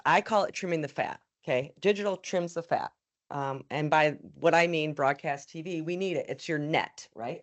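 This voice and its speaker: A woman speaking on a business panel about advertising at a live event. She talks in a loose, conversational way, restarting sentences and dropping fillers as she goes. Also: low-pitched. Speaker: media sales panelist. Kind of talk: panel discussion answer. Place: event room with live audience.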